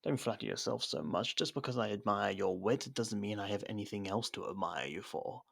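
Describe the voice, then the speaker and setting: A man playing a captured, haughty royal rival with dry sarcasm and theatrical pauses in an ASMR roleplay. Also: on the low side, expressive, creaky, fairly bright tone, exaggerated voice. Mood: grudging admiration.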